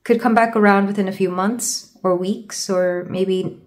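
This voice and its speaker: Her voice is medium-pitched, steady in tone and a little slow. This tarot reader does a card reading for viewers while tripping over words and sounding congested from a sore throat.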